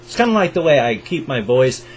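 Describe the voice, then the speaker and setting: Older man, pacific northwest american accent, enthusiastic reaction host, headset mic, faint hum behind. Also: very animated. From Pacific Northwest, USA. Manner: enthusiastic, keeps voice raised to a higher register, speaks slowly on purpose. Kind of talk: casual chat to camera. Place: small room at home, indoors. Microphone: over-ear headset.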